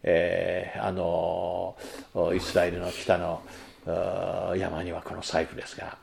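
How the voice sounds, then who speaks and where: A man's voice: low-pitched, monotone, measured pace, vocal fry, a little mellow, a little hiss or hum. A male pastor giving a sermon in a conversational manner, asking the congregation questions and rising to emphatic bursts.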